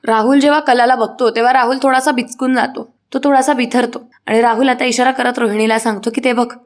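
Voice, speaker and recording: A woman's voice: fairly high pitch, steady tone, quick pace. Woman steadily recapping a TV serial.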